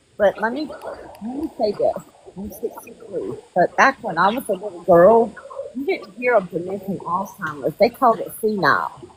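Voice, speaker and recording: A woman with an American accent, fairly high pitch, lively intonation, big swings in loudness and a moderate pace, over noticeable background noise. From Louisiana. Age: 60s. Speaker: caller. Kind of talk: casual chat.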